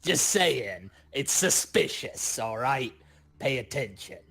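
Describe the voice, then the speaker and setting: A man voicing an eager, wary goblin demolitionist in a tabletop game, excitable and wisecracking. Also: mid-range voice, slow, husky, exaggerated voice. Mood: wary, suspicious.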